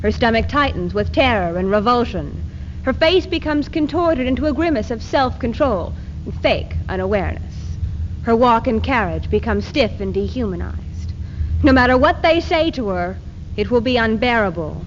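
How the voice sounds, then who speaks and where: A high-pitched, defiant feminist woman, acted by a woman recites with declamatory emphasis in readers theater. The old archive recording is muffled, with faint hiss. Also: animated, moderate pace, lightly acted. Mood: grave, indignant.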